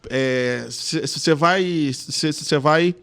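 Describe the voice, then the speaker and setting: A man's voice: on the high side, drawn-out words, fairly bright tone. A man guest on a podcast, telling personal stories casually with a stutter, repeating sounds and words, often laughing as he talks. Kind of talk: casual storytelling.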